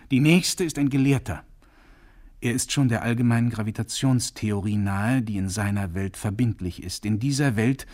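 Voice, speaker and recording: Man reading as a booming, overbearing male professor for a radio story; insistent lecturing tone, middle pitch. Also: darkish tone, close to an everyday voice. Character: booming domineering male professor, shouts down interruptions. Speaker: reader.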